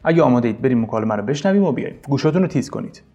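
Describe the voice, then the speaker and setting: A man's voice: mid-range voice, expressive, mellow, muffled recording. A man teaching an English lesson casually, coaching his students and repeating each correction.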